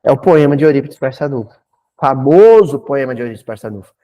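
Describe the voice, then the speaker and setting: A man with a Brazilian Portuguese accent giving a spiritist talk in a folksy, animated way, with humorous asides. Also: medium pitch, brisk. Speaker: spiritist lecturer.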